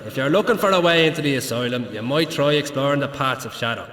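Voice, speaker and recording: A man's voice: mid-range voice, expressive, fast, fairly bright tone, lightly acted. A man voicing an irreverent, sardonic guide of the underworld in a video game, teasing and theatrical. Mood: mocking, teasing. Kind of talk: video game character acting. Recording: echoey, long hall reverb.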